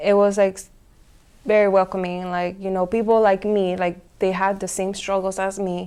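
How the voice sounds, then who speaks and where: A woman with an Ecuadorian accent speaks at medium pitch in a dark, mellow tone. Her intonation is monotone and flat. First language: Spanish. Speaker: college student. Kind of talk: interview testimony. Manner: hesitant with many fillers.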